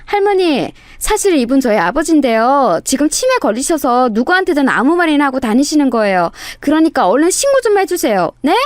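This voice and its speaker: A woman voicing a bold, scheming sister-in-law who scolds in a loud, theatrical way. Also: high voice, sing-song, brisk, hardly any pauses, dry recording. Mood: scolding.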